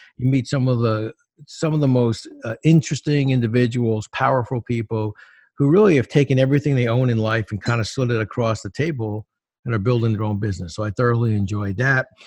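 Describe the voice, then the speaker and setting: Talking at a very fast pace with a somewhat breathy voice, a man with an American accent shows ordinary pitch variation, and the sound is dry and close with no echo against a quiet background. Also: medium pitch for a man. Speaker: author and former executive. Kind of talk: casual interview chat.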